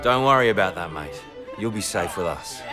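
A man's voice: low-pitched, lively intonation, moderate pace. An actor playing a boisterous, matey bookmaker in a science fiction audio drama, with a colloquial showman's manner. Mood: matey, reassuring. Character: boisterous, matey male bookmaker in spaceship bar. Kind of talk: dramatic acting. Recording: loud music and crowd behind. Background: loud music and crowd.

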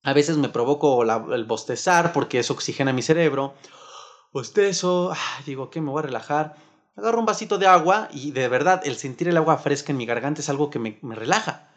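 A man with a Mexican Spanish accent giving a motivational self-help talk, lively and acting out little stressed outbursts. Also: on the high side, fast.

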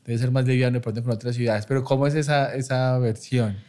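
A man's voice: medium pitch, fairly even intonation, quick pace, a little mellow. A man from Colombia speaking, co-hosting a podcast and asking questions with frequent hesitations. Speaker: podcast co-host. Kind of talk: casual conversational interview.

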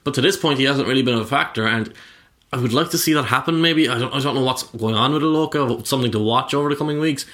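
A man's voice: medium pitch, fast, a bit bright. A man co-hosting a casual sports podcast, teasing his partner and breaking down games in detail. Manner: teasing, laughing along, analytical. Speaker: podcast co-host.

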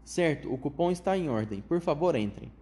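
A man voicing an eccentric, excitable chocolate factory owner with a high, flute-like voice who gushes out strings of welcomes. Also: lightly acted. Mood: gushing. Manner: gushing, rapid strings of enthusiastic welcomes.

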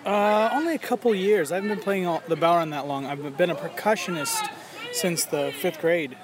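A man's voice: high voice, moderate pace, a crowd in the background. A male percussionist from Ohio in a casual interview, making dry joking asides. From Ohio, USA. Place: outdoor festival with crowd.

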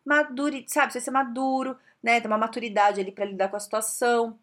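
A woman with a Brazilian Portuguese accent giving casual career advice straight to camera, lively and direct, often tagging her points with questions. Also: on the high side, fast.

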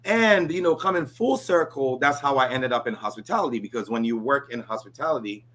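A Ghanaian man in his forties recounts his life story as a guest in a relaxed interview, sprinkling in "you know" and "right?" throughout. His voice is medium in pitch and he speaks a little fast.

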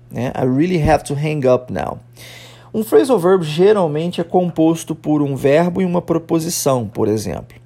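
A male English teacher with a fairly high, gravelly voice and a mellow, darker tone. He explains patiently and says each example phrase slowly so listeners can repeat it. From Brazil. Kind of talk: podcast English lesson in Portuguese.

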